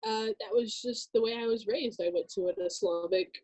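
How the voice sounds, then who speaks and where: A woman in her thirties from Southern California, a podcast guest telling her life story in a relaxed way, laughing easily and using many fillers. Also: fairly high pitch, a little fast, husky, rough recording. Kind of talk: personal testimony in casual chat.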